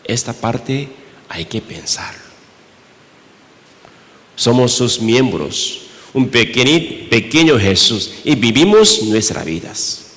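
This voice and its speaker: A man from Korea with a Korean accent, preaching a sermon in Spanish as pastor, halting, with many rhetorical questions. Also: medium pitch, very animated, a bit bright. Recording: reverberant church hall.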